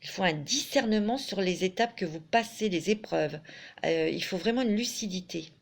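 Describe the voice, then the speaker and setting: A woman's voice: mid-range voice, lively intonation, moderate pace, gravelly. A woman doing a tarot and oracle card reading for her viewers, chatting fondly and reading card messages aloud. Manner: chatty, fond, peppered with "hein", reads card texts aloud. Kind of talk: casual spoken card reading.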